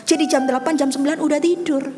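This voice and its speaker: High-voiced woman pastor preaching. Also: rapid-fire. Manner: animated, exclaiming, addresses the congregation often. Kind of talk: sermon storytelling.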